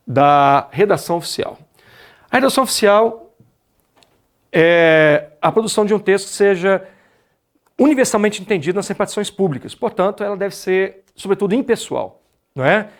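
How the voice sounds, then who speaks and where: High-voiced Brazilian man teaching a class. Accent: Brazilian Portuguese. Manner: explains step by step, asks the class rhetorical questions. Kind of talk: exam-prep lecture.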